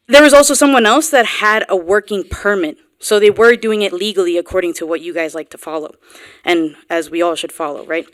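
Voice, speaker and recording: A young adult woman from Guatemala who grew up on Long Island's East End, giving an earnest, informal public comment at a podium microphone in a town hall meeting room, with halting restarts. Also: mid-range voice, clear, resonant tone. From Guatemala, raised on Long Island's East End. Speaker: local resident speaking at public comment.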